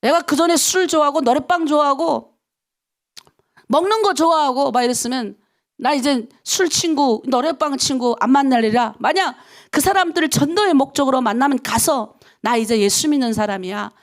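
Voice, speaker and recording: A woman's voice: sits high, moderate pace. A middle-aged woman pastor from North Korea giving a dawn prayer sermon, emphatic and full of rhetorical questions to the congregation.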